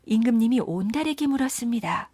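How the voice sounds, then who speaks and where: A woman narrating children's folktales in a gentle, measured storytelling manner. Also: on the high side, expressive, slightly rough, dry recording.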